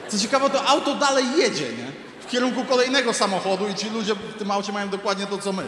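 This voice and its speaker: A man's voice: high voice, fast, slight background noise. A man performing stand-up comedy, telling a profane story and acting out the people in it. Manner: animated, profane, acts out quoted people. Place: large arena stage. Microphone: handheld stage mic. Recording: echoey arena, crowd ambience. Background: audience laughter.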